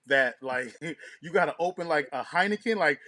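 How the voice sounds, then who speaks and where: A podcast co-host talks in casual chat, slangy and profane, frequently acting out what people said. His voice is fairly high, sharp in tone and lively in intonation, at normal speed, with no room sound.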